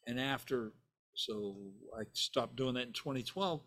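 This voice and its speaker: Background noise accompanies this older bassist, a native Italian speaker, as he tells rambling stories in an informal interview full of "you know" and "right?". His voice is mid-range and a little slow.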